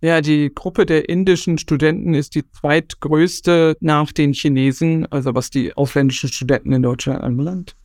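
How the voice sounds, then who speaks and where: Brisk man moderating an interview. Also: on the high side, steady tone, darkish tone, dry recording, studio quality. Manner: brisk, reads prepared questions. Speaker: host.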